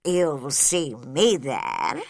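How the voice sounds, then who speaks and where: Cheshire Cat, as a woman reader puts it on, slow and teasing. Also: a bass voice, wildly swooping pitch, creaky, no room sound, studio quality, pitched below the performer's own voice, heavily acted. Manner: slow, drawn-out, knowing delivery. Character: grinning riddling male cat, calm and teasing.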